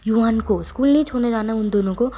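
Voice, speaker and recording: A woman's voice: a little high, fast, mellow, natural voice. A woman voicing a busy young male spouse who scolds his partner fondly. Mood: chiding.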